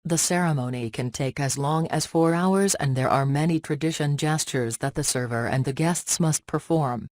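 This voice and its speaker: A man's voice: a little high, moderate pace, few pauses, a little mellow, dry recording, studio quality. A man reading scripted practice passages aloud in a stilted way, dropping some word endings.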